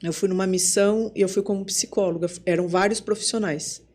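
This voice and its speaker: A woman's voice: mid-range voice, a little fast. Brazilian woman telling her story. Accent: Brazilian Portuguese. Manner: lively storyteller who acts out remembered dialogue. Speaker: podcast guest, psychologist. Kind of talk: casual spoken testimony.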